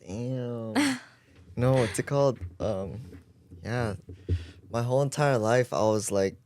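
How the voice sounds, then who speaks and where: A man's voice: mid-range voice, very animated, takes it slowly, a little mellow. A young man of twenty chatting on a podcast, rambling with constant "like"s. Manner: rambling, lots of "like". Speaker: guest volunteer. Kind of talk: casual podcast chat.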